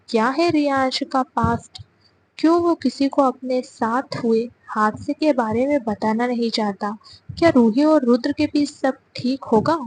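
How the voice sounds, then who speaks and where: A woman narrating a romance audio story in an even storytelling delivery. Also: a little high, husky, rough recording.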